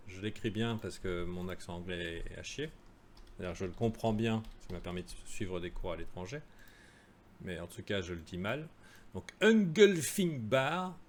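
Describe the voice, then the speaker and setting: A man giving a live crypto chart analysis in a casual, joking way, with many fillers and asides to viewers. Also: on the low side. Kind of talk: live-streamed market analysis.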